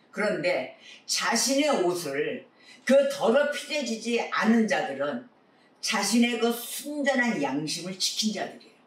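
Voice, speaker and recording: A man's voice: a little high, echoey room, distant mic. A man preaching a sermon as pastor, earnestly exhorting his congregation.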